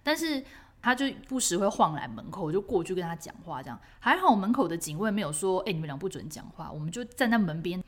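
A woman from Taiwan with a Taiwanese Mandarin accent, hosting a podcast and telling a personal story in an animated, expressive way. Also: medium pitch, quick pace. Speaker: podcast host.

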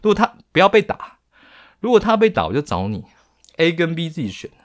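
A man's voice: a little high, wildly swooping pitch, fairly quick, voice pushed up. A man with a Taiwanese Mandarin accent voicing a blunt schoolteacher who lays down terms to a bully in a mock-stern way. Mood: bargaining.

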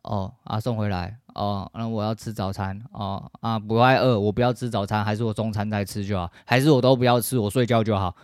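A man's voice: fairly low pitch, fairly even intonation, a little fast, hardly any pauses, darkish tone, clear, resonant tone, dry recording, clean studio sound. A man hosting a podcast solo, rambling along in a laid-back, profane monologue. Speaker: podcast host. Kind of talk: casual monologue.

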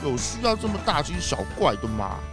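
A woman's voice: sits low, very animated, fairly quick, music in the background. A woman playing a sly, defiant male fox jewel thief, whiny and dramatic, in a children's audio drama.

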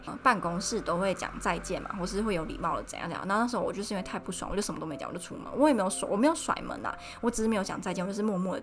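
A young woman tells a personal story in a casual podcast monologue, acting out the people she quotes in a higher voice. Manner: animated, acts out quoted people with raised pitch. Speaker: podcast host.

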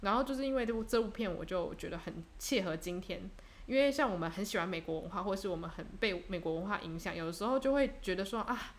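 A woman's voice: mid-range voice, expressive, quick pace. A young woman from Taiwan co-hosting a podcast, chatting casually and reflectively, with fillers and restarts. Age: young adult. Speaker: podcast co-host. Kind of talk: casual chat.

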